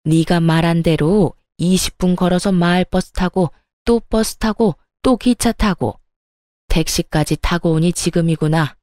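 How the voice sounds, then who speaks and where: A woman puts on a spiteful middle-aged mother-in-law from a dramatized story, dropping her voice lower and dragging out her scolding lines. The tone is mellow and dark rather than bright, heard dry and close with no room around it. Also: unhurried, no echo, close to an everyday voice. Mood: furious. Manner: sneering, berating.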